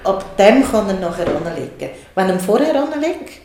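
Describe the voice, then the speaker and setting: A woman with a Swiss German accent calmly explaining how to soothe and talk to small children in a casual conversation. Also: medium pitch, normal speed, reverberant, slight background noise. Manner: calm, explanatory, acts out soothing words to a baby.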